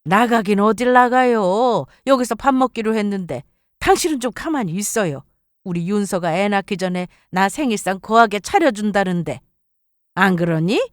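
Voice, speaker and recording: A woman's voice: medium pitch, lively intonation, normal speed, no room sound, clean studio sound, natural voice. A woman voicing a demanding older mother-in-law in a story radio drama, drawling and indignant. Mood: smug.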